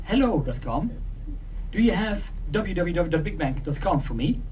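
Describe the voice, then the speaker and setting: Male demo participant, high-ish voice, deliberate and theatrical, far from the mic with faint noise. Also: big pitch swings, a little mellow. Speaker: participant acting in a staged demonstration. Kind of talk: improvised didactic role-play to an audience. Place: conference meeting room. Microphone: handheld mic, picked up by far camera. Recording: distant, noisy room camera pickup.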